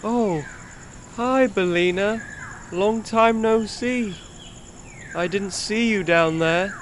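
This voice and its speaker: Someone voicing a slow, easygoing pumpkin-headed man. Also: medium pitch, close to an everyday voice. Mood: friendly, curious. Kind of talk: audio drama acting. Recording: faint background noise.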